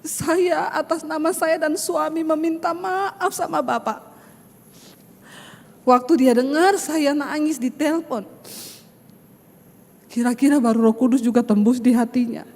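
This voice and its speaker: A woman's voice: high-pitched, a little slow, long pauses, darkish tone. A woman pastor preaching a sermon, telling a personal story with emotion and speaking straight to the congregation. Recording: long hall reverb.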